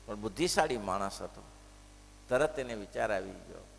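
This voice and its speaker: A male preacher gives a sermon woven with stories, his voice gravelly and his pitch swinging widely as he drives home each point. Questions are thrown out to the listeners and then answered. A long reverb trails after him, with a faint hiss underneath. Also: moderate pace. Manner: lively storytelling with rhetorical questions. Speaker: preacher at a religious school. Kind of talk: sermon with storytelling.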